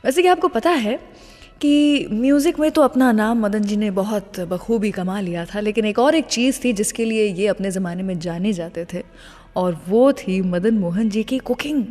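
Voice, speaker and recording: A woman's voice: mid-range voice, a little mellow, in a large hall. A woman hosting a classic-music radio show, chatting and telling anecdotes between songs, slipping English phrases into Hindi. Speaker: radio host.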